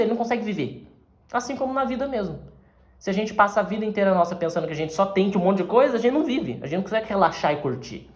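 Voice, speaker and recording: A man with a Brazilian accent, an actor giving a casual explanatory lesson on acting, talking conversationally and often ending phrases with tag questions. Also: sits high.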